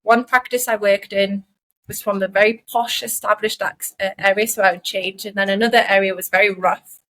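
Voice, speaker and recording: A woman's voice: medium pitch, fairly even intonation, a little fast, fairly bright tone, poor audio. A young woman from northeast England with a mixed Geordie and South Asian accent, chatting casually and self-deprecatingly as a podcast co-host.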